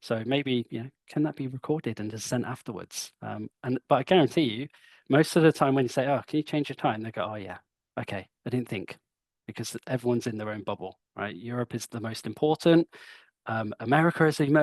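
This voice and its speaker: Against a quiet background, a man with an English accent talks at a fairly quick pace, the sound dry and close with no echo. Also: medium pitch for a man, ordinary pitch variation. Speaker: performance coach, presenter. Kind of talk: webinar Q&A. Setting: online webinar. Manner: casual, hesitant with many fillers.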